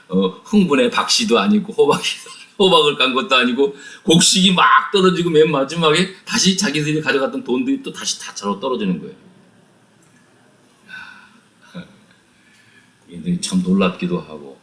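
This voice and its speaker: A man teaching a lively Bible study, retelling the story with many rhetorical questions and addressing his listeners directly. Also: medium pitch.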